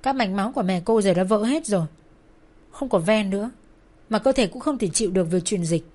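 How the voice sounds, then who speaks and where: Grave, matter-of-fact hospital doctor read by a woman narrator, flat delivery in a storybook. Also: mid-range voice, a little fast, natural voice.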